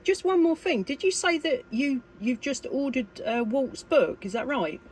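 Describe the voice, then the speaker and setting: This British amateur radio operator has a high, very animated voice and speaks at normal speed, chatting casually though hesitantly and with a lot of rambling. Her clearly noisy amateur recording carries radio hiss and background noise.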